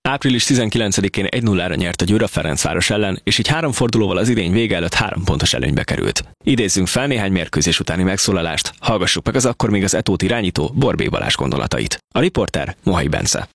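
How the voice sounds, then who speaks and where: A man's voice: sits low, lively intonation, vocal fry, hardly any pauses, no echo, studio quality. A man presenting scripted sports narration in Hungarian as a recap presenter.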